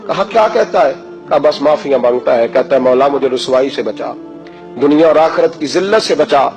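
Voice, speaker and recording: A man's voice: mid-range voice, expressive. A man preaching through stories in a dramatic, impassioned way, acting out dialogue and repeating phrases for emphasis. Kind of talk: storytelling sermon. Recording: loud music under the voice. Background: music.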